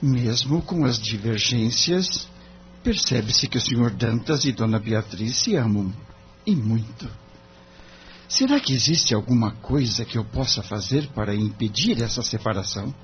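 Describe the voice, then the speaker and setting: A man's voice: mid-range voice, expressive, unhurried, highs cut off, a little hiss or hum, lightly acted. A man playing an earnest young lawyer. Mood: pondering. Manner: polite, thoughtful, hesitant fillers. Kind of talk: audio drama acting.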